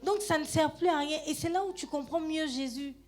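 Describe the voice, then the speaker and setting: A woman pastor preaching a sermon in a church, talking straight to her listeners in a lively, conversational way, often tagging her phrases with "hein" and "amen". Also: high-pitched, brisk, soft background music. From Gabon.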